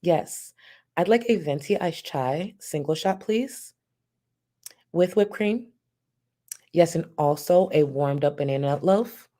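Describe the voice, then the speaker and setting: A woman doing a softened, dainty voice as she pretends to order food at a drive-thru speaker. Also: low voice, animated, slow pace, long pauses. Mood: sweetly polite.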